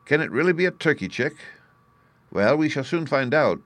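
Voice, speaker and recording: A fretful mother duck, worn out from sitting on her nest, as a man puts her on. She sounds weary and complaining, pitched up above the reader's own low voice. The recording is close and dry. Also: expressive, normal speed, a bit bright, dry recording. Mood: doubtful.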